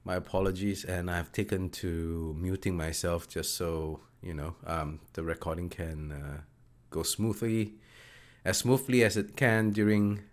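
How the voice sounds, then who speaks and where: A man's voice: deep voice, steady tone, measured pace. A man with a cold, sounding a little nasal, chatting enthusiastically about a story as a podcast co-host, with lots of fillers. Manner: enthusiastic, hesitant with many fillers. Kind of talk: casual book discussion.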